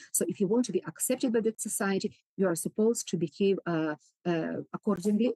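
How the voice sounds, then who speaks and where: This woman has a medium pitch and a dark, mellow tone with ordinary pitch variation. The sound is dry and close, with no echo. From Ukraine. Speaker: university English teacher, conference speaker. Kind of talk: conference lecture. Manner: halting, many fillers.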